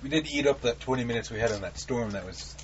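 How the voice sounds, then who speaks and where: A man's voice: medium pitch, fast talker. A man chatting casually as a player in a tabletop game. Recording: dull lo-fi recording with background noise.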